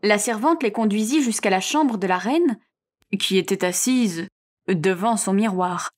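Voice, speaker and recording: A woman narrating an audio fairy tale in a slow, gentle storytelling manner. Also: mid-range voice.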